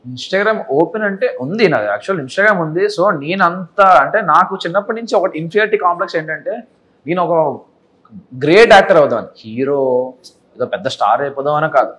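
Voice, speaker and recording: A man's voice: on the high side, lively intonation, fast talker, fairly bright tone. A young man with a Telugu accent, a reality show contestant, answering interview questions confidently and mixing in English phrases. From India.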